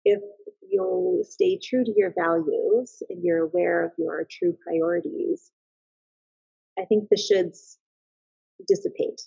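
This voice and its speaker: A mother and business owner in her thirties reflects as a podcast guest, earnest and thoughtful, often beginning sentences again. She talks slowly in a fairly low, gravelly, mellow and husky voice. The recording is dry, somewhat dull and lo-fi.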